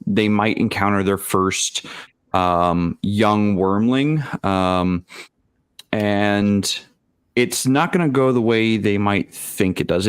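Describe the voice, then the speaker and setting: A man in a casual panel discussion about tabletop gaming, speaking as a game master with a deliberate, dryly sarcastic manner. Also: lowish voice, clean tone, no echo, studio quality.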